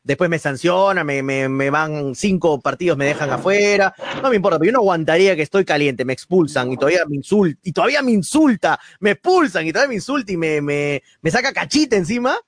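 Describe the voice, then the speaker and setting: A man's voice: fairly high pitch, lively intonation, fast talker, few pauses, no echo. A man with a Peruvian Spanish accent, co-hosting a sports talk show in heated football commentary, emphatic and indignant. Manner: emphatic, indignant, repeats words.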